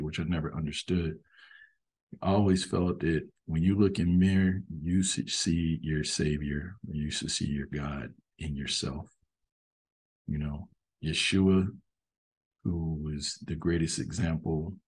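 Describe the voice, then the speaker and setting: A man's voice: a bass voice, darkish tone, husky. A man rambling earnestly in a casual monologue, often saying "you know", as the host of a show about history. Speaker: host commenting on history videos.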